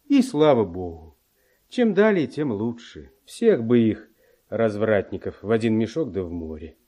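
An actor playing a long-suffering, mocking manservant in a classic verse radio drama, full of muttered asides. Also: male voice, on the low side, sing-song, unhurried, dark tone. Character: grumbling, sardonic manservant of a nobleman, long-suffering.

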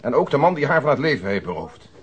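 Man acting a dry methodical cop in a radio crime play, quick talker, medium pitch. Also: sing-song, natural voice. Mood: reasoning. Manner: dry, matter-of-fact. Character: dry, methodical male police detective.

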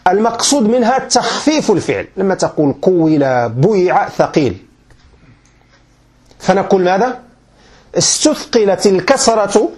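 High-voiced man with Moroccan accent. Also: darkish tone. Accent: Moroccan Arabic. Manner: quizzing listeners with frequent check questions; patient, repeats and restarts points. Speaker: sheikh teaching grammar. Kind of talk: classroom grammar lecture.

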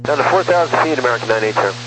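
A man's voice: medium pitch, lively intonation, very fast, music in the background, low-quality recording. A man, an airline pilot, reading back instructions in short, terse aviation phrases, heard over a cockpit radio link. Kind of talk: clipped radio readback.

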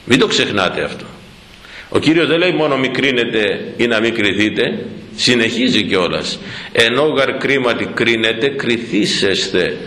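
A man preaching a sermon, animated, slowing down to quote old scripture. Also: mid-range voice, echoey room, rough recording.

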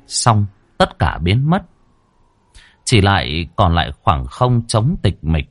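Brief: deep husky male narrator, horror tale, animated delivery, dry. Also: takes it slowly, dry recording, soft background music. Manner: dramatic, vivid storytelling. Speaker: storyteller.

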